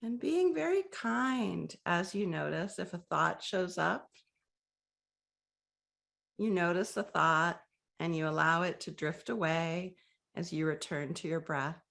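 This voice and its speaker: A woman leads a breathing meditation in a soft, gently inviting voice. She speaks very slowly, leaving long pauses between phrases. Her voice sits a little low and has a noticeable gravelly fry. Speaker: meditation guide. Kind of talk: guided meditation.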